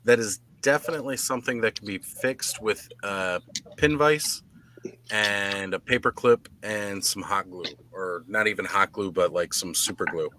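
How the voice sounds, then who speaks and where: A man's voice: fairly low pitch, normal speed, bright, forceful tone. A man chatting casually as the host of a live stream. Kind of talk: casual chat. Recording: noisy live stream with clicks.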